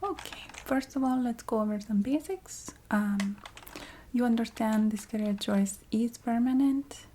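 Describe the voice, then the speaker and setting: A woman playing a courteous, matter-of-fact vampire receptionist in a soft-spoken ASMR roleplay, half-whispering in a put-on Eastern European accent with halting, formal phrasing. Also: fairly high pitch, a little hiss or hum, close to an everyday voice. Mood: matter-of-fact, approving. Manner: halting, formal phrasing with small hesitant hums.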